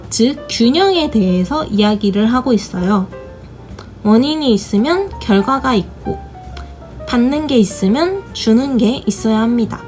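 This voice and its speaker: Hoarse woman explaining tarot cards. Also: high voice, a little mellow. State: hoarse from a sore throat. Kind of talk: explanatory tarot study video.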